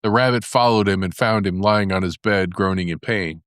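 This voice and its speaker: A man narrating a fairy tale as a storybook, in a measured storytelling manner. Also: low voice, a bit bright, no echo, clean studio sound. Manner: measured storytelling with character voices for dialogue.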